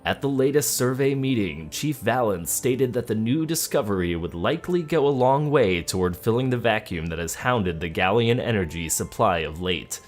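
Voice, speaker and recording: A man's voice: lowish voice, animated, normal speed, few pauses. A man doing game commentary for a let's play, reading in-game text and talking through his choices. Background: game music.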